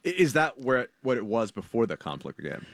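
A male news host asking a correspondent questions in a quick, conversational way. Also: medium pitch, very animated, no echo. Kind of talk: news interview.

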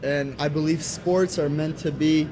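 A man's voice: a little high, fairly even intonation, unhurried, noisy background. A man speaking firmly and proudly about supporting his team. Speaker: sports fan.

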